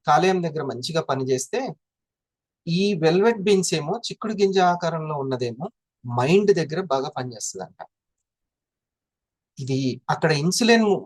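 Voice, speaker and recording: A man's voice: on the high side, no room sound. A man explaining in a classroom style, constantly asking his listeners questions. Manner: asks the audience questions often. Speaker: presenter explaining health products.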